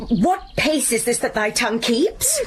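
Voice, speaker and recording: A woman's voice: fairly high pitch, very animated, breathy edge, full character voice. An actress playing a sardonic young noblewoman who sighs and complains of a cold in a Shakespeare audio play. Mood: sulky. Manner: slow, sighing, sardonic. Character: sharp-tongued young noblewoman, sulky with a cold.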